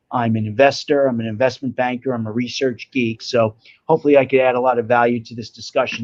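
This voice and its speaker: In a New York accent, a man at medium pitch talks at a very fast pace with monotone, flat intonation. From New York, USA. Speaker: investor, family office executive. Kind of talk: panel discussion.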